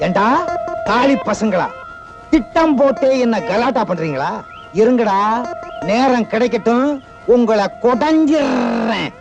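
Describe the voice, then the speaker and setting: A man's voice: very high voice, lively intonation, a little slow, long pauses, lo-fi sound, full character voice. An actor playing a bumbling, boastful village accountant man, with comic banter in a film scene. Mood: mocking. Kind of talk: 1980s Tamil film comedy acting. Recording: film soundtrack with music behind. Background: film music.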